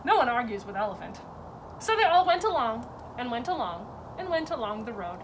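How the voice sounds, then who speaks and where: A woman's voice: a little high, sing-song, a little fast. A woman reading a children's storybook aloud as an educator at story time. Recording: distant mic with clear background noise.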